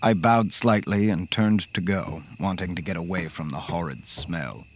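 Low-voiced actor as polite horror narrator. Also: male voice, moderate pace, slight background noise, natural voice. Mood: reflective. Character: polite, fussy male accountant narrating a horror tale. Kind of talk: scripted first-person horror narration.

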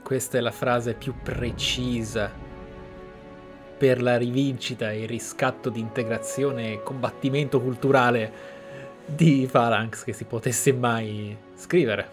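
A man from Italy comments on a roleplaying game in a medium-pitched voice. He sounds reflective and uses dramatic pauses. Faint music plays behind him. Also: steady tone. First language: Italian. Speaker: streamer, let's player.

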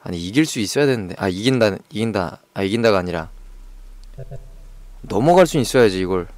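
Male streamer, frantic horror-game commentary, animated voice, dry sound, quick to yelp and swear. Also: on the low side, dry recording. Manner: jumpy, swearing, frantic reactions to scares.

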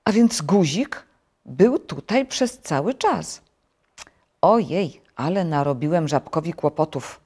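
A woman's voice: sits low, lively intonation, slow, mellow, slightly rough, heavily acted. A woman voicing a fussy, easily upset male toad who complains emphatically.

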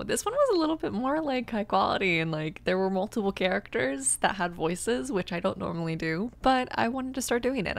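Female audio creator, 20, casual channel-update read, noticeable vocal fry. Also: mid-range voice, dry recording.

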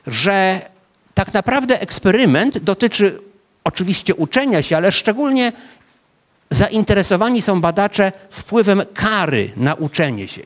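Lively storytelling man lecturing on a handheld mic. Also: high-pitched. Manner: vivid storytelling lecturer, addresses audience directly, frequent "e" fillers. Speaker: psychology professor lecturing. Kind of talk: public science lecture. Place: ornate hall with a seated audience, indoors. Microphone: handheld microphone.

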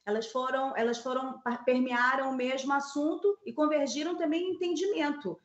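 A woman's voice: high-pitched, fairly even intonation, normal speed, muffled recording. Brazilian lady talking politics on a video call, lots of ums and restarts, echoey room. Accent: Brazilian Portuguese. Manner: thinks aloud with many fillers and restarts. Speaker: political columnist. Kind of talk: live news commentary. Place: home office with map on wall.

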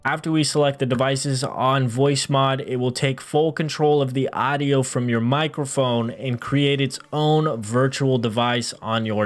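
A man in his thirties hosting a software tutorial, explaining things methodically step by step in an instructional style. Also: medium pitch. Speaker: tutorial host. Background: background music.

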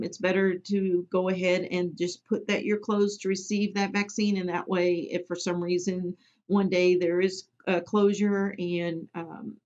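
A woman from Missouri training clinic staff in a screen-recorded software tutorial, giving plain step-by-step instructions with frequent ums. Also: fairly low pitch. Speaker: immunization program trainer. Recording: dull lo-fi audio.

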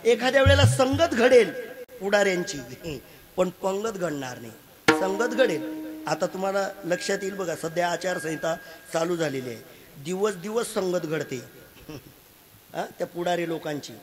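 A man's voice: sits high, animated, moderate pace. A man giving a devotional kirtan sermon, preaching with humor, repeated sayings and laughing asides before a live audience. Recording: live recording with crowd sound. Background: listening audience.

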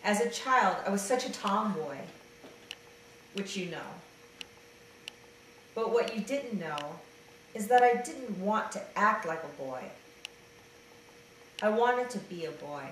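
Trans man vlogger, middle-aged, hesitant and halting, slightly raspy; slow delivery, echoey room heard from far off. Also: high-pitched, animated, a bit bright, slight background noise. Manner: hesitant, halting, many fillers and restarts. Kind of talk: casual personal video diary, then reading a letter aloud. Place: dim room indoors, seated in an armchair. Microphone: camera mic at a distance.

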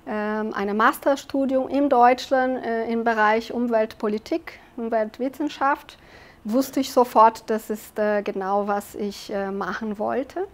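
A Brazilian woman in her forties with a Portuguese accent, answering interview questions in a fairly high voice. She speaks thoughtfully, often pausing on fillers as she searches for words. She is close on a lapel mic in an office. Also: steady tone. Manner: thoughtful, with frequent hesitation fillers. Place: office with large windows.

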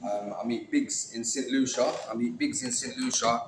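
A man's voice: mid-range voice, big pitch swings, moderate pace. A man with an East London accent, telling a story in an easygoing, rambling way. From England. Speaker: restaurant team member. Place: restaurant seating area, indoors. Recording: roomy with background noise.

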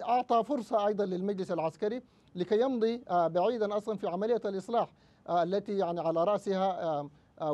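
Give me a man on a bad, muffled remote line, a high dark voice talking quickly with many hesitant fillers. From Sudan. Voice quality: halting, many drawn-out fillers. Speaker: political science professor, remote guest. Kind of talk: formal news interview analysis.

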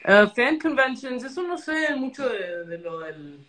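A woman's voice: sits high, unhurried, a little hiss or hum. A woman in her thirties chatting casually on a phone live stream, reading out comments with loose, hesitant phrasing and switching between Spanish and English. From half Argentinian. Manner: relaxed, hesitant, many fillers, mixing Spanish and English. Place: small room indoors. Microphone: phone front camera, close.

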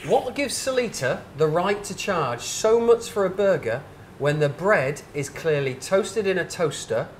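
A man in his thirties hosts a casual interview in a restaurant dining room, reading reviews aloud with dramatic emphasis. His voice is high and animated but a little slow, picked up on a lapel mic with slight background noise.

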